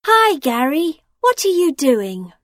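A woman playing a supportive young female friend who asks clearly enunciated questions in a scripted dialogue. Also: high voice, big pitch swings, slow pace, fairly bright tone, dry recording, clean studio sound, full character voice. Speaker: friend character in a listening test.

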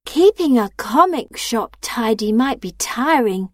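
A woman playing a high-voiced helpful friend. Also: lively intonation, a little slow, darkish tone, no room sound, studio quality. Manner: clearly enunciated, questioning. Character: young woman, a supportive friend. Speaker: friend character in a listening test. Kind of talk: scripted exam dialogue.

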